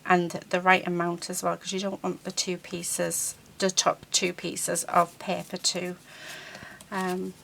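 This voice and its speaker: A woman hosting a casual paper-craft tutorial, croaky from a sore throat, chatty and often hunting for words between ums. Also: on the low side, sharp tone, a little hiss or hum. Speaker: craft channel host. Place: craft table indoors.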